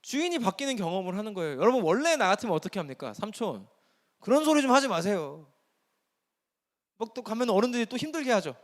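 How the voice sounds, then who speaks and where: A man preaching a sermon to a young adults' service in a lively, conversational way, acting out bits of dialogue. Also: high-pitched, fast. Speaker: pastor.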